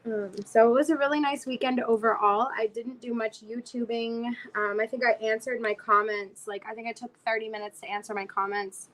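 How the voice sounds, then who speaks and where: On a casual livestream, a South Florida host in her twenties talks briskly with few pauses, her worn voice close to giving out as she rambles and fills gaps with fillers. The tone is steady, slightly high and a bit bright, on a low-quality recording.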